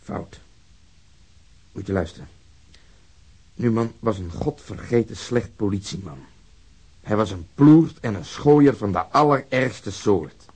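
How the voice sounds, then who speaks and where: Blunt police detective, husky low voice. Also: male voice, unhurried, pauses often, darkish tone. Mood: insistent, angry. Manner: blunt, emphatic, swearing. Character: blunt, hard-nosed, insistent Swedish police detective. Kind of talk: Dutch radio drama acting.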